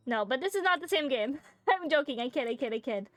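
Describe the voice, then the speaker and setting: A woman's voice: high voice, animated, brisk, fairly bright tone, no room sound, soft background music. A woman streaming a game in casual chat, joking and rambling with many fillers, close to a desk microphone. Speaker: VTuber streamer.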